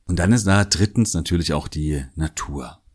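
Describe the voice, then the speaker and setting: Podcast host, man, German native speaker, very low voice, reflective monologue with gentle hesitations. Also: normal speed, breathy edge. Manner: thoughtful, musing, hedges and repeats words.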